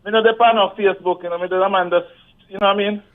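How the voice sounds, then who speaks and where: A man's voice: high-pitched, steady tone, fast. A man calling into a radio show, eagerly cutting in with patois-heavy remarks. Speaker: caller. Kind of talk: phone-in chat. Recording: tinny phone line.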